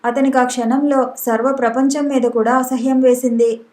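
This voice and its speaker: A woman narrating a novel as an audiobook in a steady, even reading manner. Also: high voice, normal speed. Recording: roomy echo.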